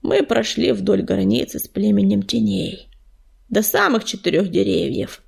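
A woman voicing an excitable male warrior cat reporting back from a patrol. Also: medium pitch, measured pace, creaky, slightly rough, pitched below the performer's own voice, full character voice. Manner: excited, breathless.

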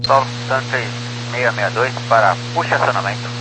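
A man's voice: mid-range voice, normal speed. A man speaking as a pilot in clipped air traffic readbacks over a crackly, military-style radio. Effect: crackly aviation radio, like military radio. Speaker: airline pilot. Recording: noisy, humming radio transmission.

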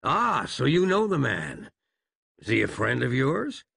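A man's voice: mid-range voice, huge pitch swings, measured pace, vocal fry, bright, forceful tone, slightly rough, no room sound, studio quality, voice pushed up, heavily acted. A man voicing a fussy, polite, educated doctor who speaks in a prim, formal, wordy way.

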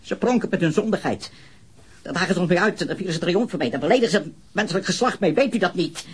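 Husky, volatile murder suspect. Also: male voice, sits high, expressive, full character voice. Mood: disgusted. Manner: halting, repeating himself, defensive. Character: disturbed, prudish, evasive murder suspect, easily enraged. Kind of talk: radio crime drama acting.

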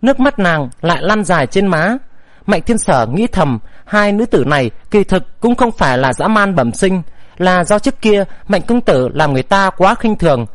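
A man narrating a historical storybook in a steady reading manner. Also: high voice, moderate pace, no echo. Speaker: audiobook narrator.

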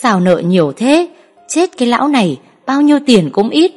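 Fussing village aunt, high and exclamatory, as a woman storyteller puts her on. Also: big pitch swings, moderate pace, darkish tone, soft background music. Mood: indignant, soothing. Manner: scolding, exclamatory. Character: fussing middle-aged village aunt, indignant.

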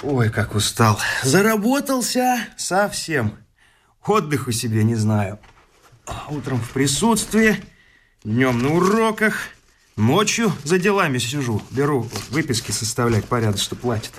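An actor in a radio play voicing a weary, principled young husband who speaks with exasperated, preachy reproach. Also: male voice, mid-range voice, very animated, measured pace, slight background noise. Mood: weary, reproachful. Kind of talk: theatrical radio drama acting.

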